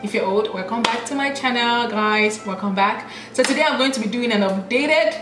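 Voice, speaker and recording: A woman's voice: a little high, normal speed, music in the background. Chatty woman vlogging in an echoey room. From Nigeria. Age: late 20s. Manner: chatty, laughs at herself, addresses viewers directly. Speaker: YouTuber. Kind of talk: casual get-to-know-me vlog. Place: small indoor room.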